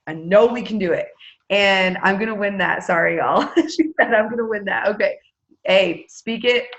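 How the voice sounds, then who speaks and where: Here a woman with a medium-pitched, slightly bright voice speaks at a normal speed, though the recording's highs are cut off. She's leading a video-call team meeting, cheerfully pumping up sales targets and running prize draws in a chatty, casual pep talk.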